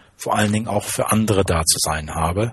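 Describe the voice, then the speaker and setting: This man's voice is somewhat breathy and fairly low, with fairly even intonation. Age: 50s. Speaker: doctor running a father-son camp. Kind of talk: interview.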